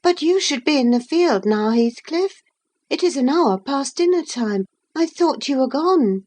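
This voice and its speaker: A woman putting on a high, peevish young lady. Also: lively intonation, unhurried, darkish tone. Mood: anxious. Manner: high, petulant and complaining. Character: petulant, peevish young woman, quick to irritation.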